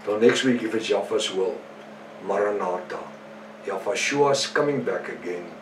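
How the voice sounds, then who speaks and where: A man's voice: on the low side, normal speed. A man giving a bible teaching talk who reads verses aloud, spells words out letter by letter and repeats himself earnestly. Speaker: preacher and teacher. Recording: roomy sound from a distant mic with faint background noise.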